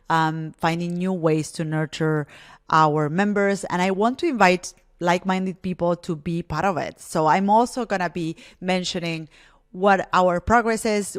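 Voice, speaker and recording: A woman whose first language is Spanish, hosting a solo podcast in an earnest, encouraging way with frequent restarts. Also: fairly low pitch. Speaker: podcast host.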